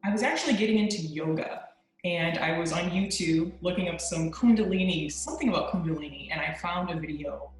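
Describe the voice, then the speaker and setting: A woman's voice: fairly low pitch, brisk, soft background music. A young woman, a guest on a chat show, talking openly and earnestly with lots of likes and ums. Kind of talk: casual interview talk. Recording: very echoey remote audio.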